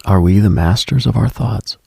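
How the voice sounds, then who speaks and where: A man hosting a late-night mystical radio monologue in a hushed, musing, ASMR-like way, with frequent pauses and a husky, breathy, gravelly voice. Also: lowish voice, dry recording, studio quality. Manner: hushed, musing, pausing often.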